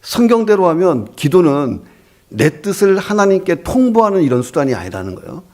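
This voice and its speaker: A man's voice: high-pitched, moderate pace. A male pastor giving a sermon, telling humorous stories and acting out the voices of his characters. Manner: animated storyteller, acts out the voices of his characters.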